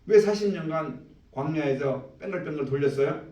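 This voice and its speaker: A man preaching a sermon as a pastor, lively, acting out the voices of people in his story. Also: a little high, moderate pace, muffled recording. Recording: echoey room, mic at a distance.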